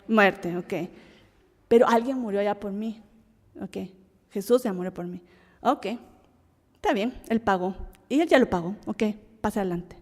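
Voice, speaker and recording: A woman's voice: a little high, long reverb tail. A woman from Guatemala with a Guatemalan Spanish accent, teaching a Bible lesson in a conversational way, asking and answering her own questions.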